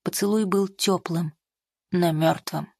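A woman narrating an audiobook with an even, measured reading. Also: fairly low pitch, gravelly, no room sound, studio quality. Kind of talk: scripted narration of a novel.

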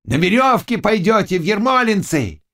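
A blustering old nobleman, as a male audiobook reader puts him on, roaring insults in a raised, gruff voice. His pitch leaps up and down with swagger, and the tone stays bossy and quick to anger. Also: wildly swooping pitch, fairly bright tone, heavily acted. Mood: bellowing. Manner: bellowing, scolding, gruff. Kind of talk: audiobook character voice.

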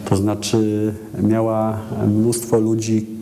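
A Polish musician gives a reflective interview, hesitant and halting, often restarting words as he thinks. His lowish, mellow voice is delivered completely flat, with a little hiss or hum, long reverb, and clear music behind.

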